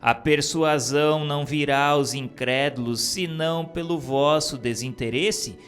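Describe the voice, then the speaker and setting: A man giving a solemn, earnest reading of a religious text, measured and exhorting. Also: fairly high pitch. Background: faint music.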